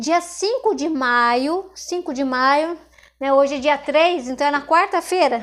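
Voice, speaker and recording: A woman with a high voice talks at a very slow pace, her pitch varying in an ordinary way. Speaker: live stream host discussing mental health topics. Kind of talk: live stream talk. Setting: online live stream. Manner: speaks louder than usual to compensate.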